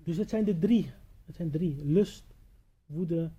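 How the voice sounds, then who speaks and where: A man's voice: on the high side, slow, dark tone, husky. A man teaching at a religious gathering, telling a moral story in a sermon style and often repeating and restarting words. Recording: dull lo-fi recording.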